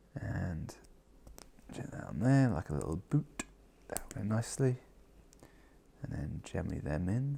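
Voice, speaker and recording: A man with an English accent speaks fairly slowly, leaving long, frequent pauses. His fairly low voice has a dark, mellow tone and swings very widely in pitch. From England. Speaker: toy building video creator. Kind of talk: casual build commentary. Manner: casual, hesitant with repetitions.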